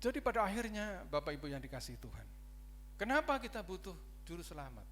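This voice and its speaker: A man from Indonesia, a pastor preaching a sermon in a church, swinging between loud emphatic lines and quiet ones, calling for an amen. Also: sits high, big pitch swings, fast talker, slight background noise. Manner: preaching with rising and dropping emphasis, calls for amen. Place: church sanctuary.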